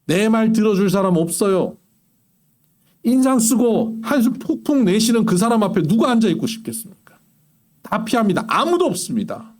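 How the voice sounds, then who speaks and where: A man preaching a sermon as pastor, acting out anguished complaints to God with sharp rises and falls. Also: big pitch swings, moderate pace. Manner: impassioned, acting out complaints in prayer with big pitch swings.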